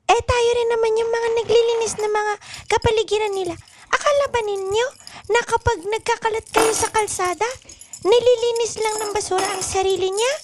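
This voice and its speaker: A woman's voice: extremely high pitch, fairly even intonation, moderate pace, heavy background noise. A woman in an improvised comic radio drama voicing whiny, complaining dwarfs, a queen and her companion. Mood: indignant, plaintive.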